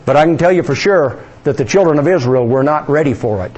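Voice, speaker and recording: A man's voice: a little high, lively intonation, fast, a little mellow, breathy edge, dull audio. A man preaching a sermon, reading scripture aloud and asking his congregation questions.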